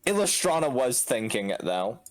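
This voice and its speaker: A man's voice: medium pitch, big pitch swings, normal speed. A man playing a tabletop game, chatting casually and jokingly.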